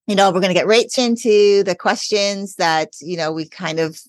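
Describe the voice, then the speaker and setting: A woman's voice: mid-range voice, steady tone, moderate pace, no room sound. A woman hosting a podcast interview, speaking in an upbeat, welcoming way as a self-care coach.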